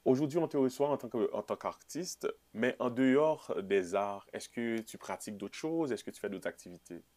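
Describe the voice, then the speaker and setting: Theatrical talk show host. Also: male voice, mid-range voice, animated, moderate pace, a little mellow. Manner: theatrical, addresses the audience directly. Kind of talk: studio talk show interview.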